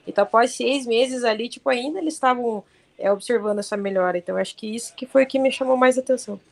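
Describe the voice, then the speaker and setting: Brazilian woman, slightly higher pitch, casual remark over a phone. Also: quick pace, gravelly. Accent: Brazilian Portuguese. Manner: casual, informal. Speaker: study group participant. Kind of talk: discussion comment.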